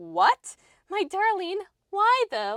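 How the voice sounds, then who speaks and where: A squeaky, put-on character voice at extremely high pitch. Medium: read story. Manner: smooth, ingratiating.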